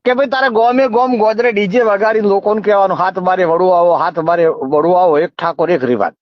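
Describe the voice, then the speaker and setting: On a muffled recorded phone call, a man speaks in a high-pitched voice at a fairly quick pace, with no room sound. He's a community organiser with a rural North Gujarati accent, insistently explaining and recounting events over the telephone.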